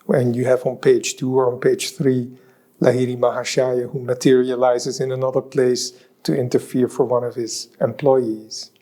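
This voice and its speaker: A man interviewing a guest, asking measured, leading questions. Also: mid-range voice, level tone, mellow.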